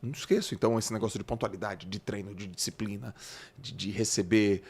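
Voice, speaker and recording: A man's voice: fairly low pitch, steady tone, fast, slight background noise. A man with a Brazilian Portuguese accent, a guest on a podcast, telling stories in an earnest way. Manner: storytelling, earnest, gives short replies when listening. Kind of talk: podcast conversation.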